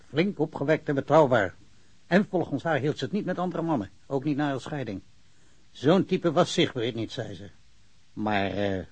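An actor playing a practical, plain-spoken police investigator in a naturalistic radio drama. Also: male voice, mid-range voice, darkish tone, husky, no echo. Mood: reporting.

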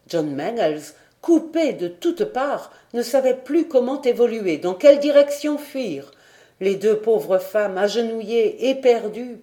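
Mellow-voiced woman reading a classic novel. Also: medium pitch. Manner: expressive, dramatic reading. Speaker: audiobook reader. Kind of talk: literary audiobook narration.

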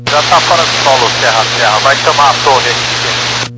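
A man's voice: medium pitch, normal speed. A man with a Brazilian Portuguese accent, a pilot making clipped, formulaic radio calls over a cockpit headset. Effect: pilot speaking over a cockpit headset radio. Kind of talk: air traffic radio calls. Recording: noisy aviation radio channel.

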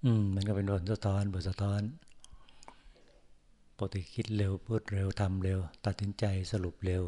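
A male Buddhist monk giving a sermon, speaking slowly and calmly with frequent pauses. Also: deep voice. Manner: slow, measured speech with many pauses and the particle "na". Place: forest monastery.

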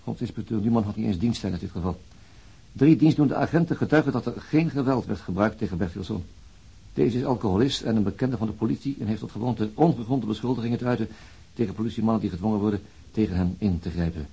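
A formal, dismissive official reading service notes. His voice is low and dark, very husky, and his delivery is dry and matter-of-fact. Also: quick pace, heavily acted, rough recording.

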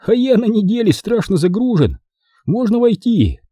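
A man's voice: high voice, very animated, normal speed, husky, no echo, studio quality, voice pushed up, exaggerated voice. A man doing a cheerful brash boy. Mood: cheery. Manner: bright, jaunty, brash.

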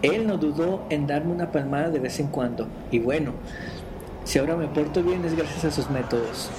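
Higher-voiced man on a noisy podcast recording. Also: moderate pace. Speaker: podcast host. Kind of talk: casual chat and reading a story aloud.

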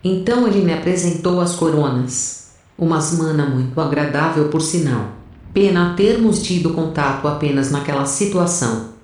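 A woman's voice: sits low, animated, moderate pace, a little mellow. A woman playing a brash, cocky rebel soldier in an audio drama, speaking in a slangy, self-assured way. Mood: casual, chatty. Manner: colloquial, sassy, self-assured. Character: brash, cocky, foul-mouthed female rebel soldier telling her tale. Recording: very echoey room.

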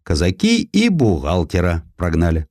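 A male audiobook narrator tells a historical tale in a fairly low voice. His delivery is dramatised and very animated in pitch, recorded close and dry. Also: moderate pace, no room sound.

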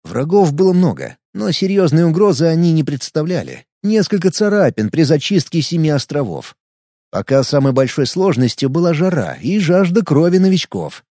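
A man narrating a first-person audiobook in a lively reading manner. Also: on the high side, moderate pace, no room sound, clean studio sound. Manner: lively reading, shouting out dialogue lines.

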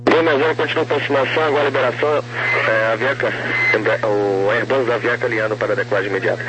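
A Brazilian man working as a tower controller, giving brisk instructions over crackly aviation radio. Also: mid-range voice, fairly even intonation. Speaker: air traffic tower controller. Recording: crackly radio with clear noise and hum.

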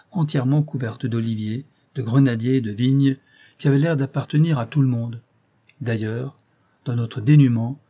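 Man with a mellow voice reading a novel. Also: medium pitch. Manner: expressive reading, lifting his voice for quoted speech. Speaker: audiobook narrator. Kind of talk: scripted narration of a classic novel.

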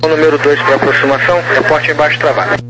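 A man talking over a two-way radio as an air traffic controller, his voice sitting a little high. He reads out instructions in clipped, formal radio phraseology at a measured pace. Loud static hiss runs under every word. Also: steady tone. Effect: heard over a two-way radio. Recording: noisy radio transmission.

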